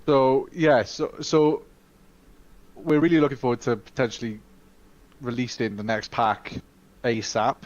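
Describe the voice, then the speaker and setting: A Welsh-speaking man co-hosting a casual live-stream Q&A, talking in a chatty, halting way full of fillers and restarts. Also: mid-range voice, fairly even intonation, highs cut off. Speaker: studio co-host.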